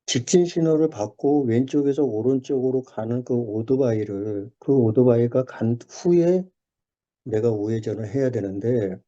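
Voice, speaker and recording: Middle-aged man, church testimony over a lo-fi call, animated storyteller, deep dark tone. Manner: storytelling, animated, with many restarts and fillers. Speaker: church member sharing testimony. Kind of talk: personal testimony in a video call. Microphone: video call. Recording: dull lo-fi video call audio.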